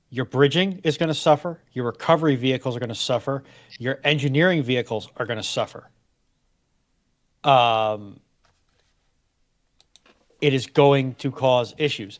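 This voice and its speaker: A man talking informally in a history discussion, explaining points with colloquial turns of phrase. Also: mid-range voice.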